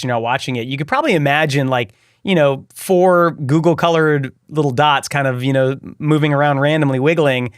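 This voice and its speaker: A man in his forties hosting a podcast, asking curious questions in a relaxed, animated way from his home studio. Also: on the high side, dry recording. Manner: curious, animated, gestures while talking. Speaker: podcast host. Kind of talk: casual interview talk. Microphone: studio mic on a boom arm.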